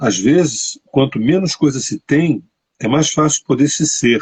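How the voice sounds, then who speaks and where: A man talks at a very slow pace in a somewhat breathy voice. The sound is dry and close with no echo. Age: 60s. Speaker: spiritual teacher. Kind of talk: casual chat. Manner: animated.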